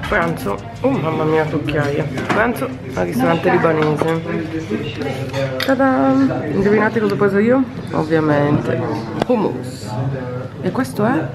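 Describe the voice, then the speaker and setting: A woman's voice: fairly low pitch, lively intonation, measured pace, loud music behind the voice. A woman in her thirties, a travel vlogger talking to viewers in an upbeat, chatty way while filming herself on a phone held at arm's length. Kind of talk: casual travel vlog. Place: city streets outdoors and hotel room. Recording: busy street with crowd noise. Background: crowd and street noise.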